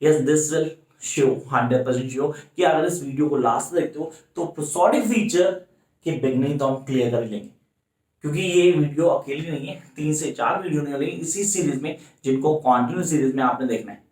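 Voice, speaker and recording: A man with a fairly high voice giving an exam-prep lecture. He asks questions as if from his students and answers them himself, slowing down to repeat key phrases. The recording carries a clear room echo. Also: a little mellow. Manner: repeats key English phrases slowly for emphasis. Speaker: teacher.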